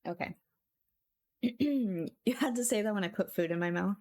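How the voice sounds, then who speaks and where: A woman's voice: mid-range voice, normal speed, warm tone. A woman streaming a video game and chatting casually with her viewers in a playful, giggly way. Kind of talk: casual live-stream chat. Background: faint game music.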